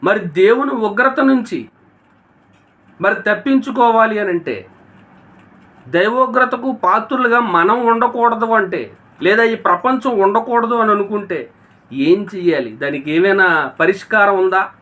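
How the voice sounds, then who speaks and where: A man's voice: high voice, a little slow, pauses often, pushed and bright. A man preaching a sermon, often asking his listeners rhetorical questions and speaking to them directly. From India.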